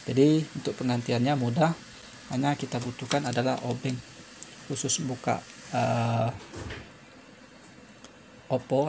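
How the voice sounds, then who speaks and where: A man talks through a practical repair in a halting, step-by-step way. His mid-pitched voice is creaky and stays very even in tone. There is faint noise behind him as he speaks. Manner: halting, step-by-step explaining with frequent repetition. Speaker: phone repair tutorial presenter. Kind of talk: unscripted hands-on repair tutorial.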